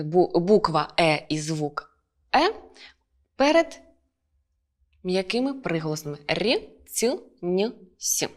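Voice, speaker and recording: A woman teacher explaining spelling rules in a lesson, clear and measured, stressing each example word. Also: mid-range voice.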